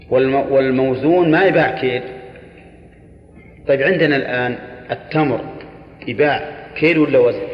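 A man teaching Islamic law in a lecture, often asking his listeners short rhetorical questions. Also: mid-range voice. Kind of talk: classroom lecture on a legal text. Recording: echoey hall, dull lo-fi sound.

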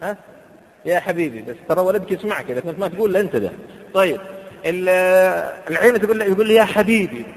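Fast-talking preacher guy, high voice, echoey hall, tells stories and chants verses slow. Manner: animated storytelling, quotes verses in slow drawn chant. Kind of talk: lively sermon with anecdotes.

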